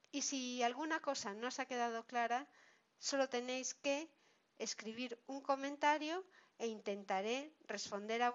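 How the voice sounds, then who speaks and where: A woman with a Spain Spanish accent reading a language lesson aloud, slowly and carefully explaining each phrase. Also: a little high. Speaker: Spanish teacher. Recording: dull lo-fi recording.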